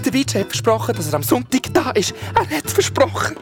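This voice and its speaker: A woman's voice: high voice, big pitch swings, fairly quick, music in the background. A flustered, stammering woman. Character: nervous, evasive woman named Miranda.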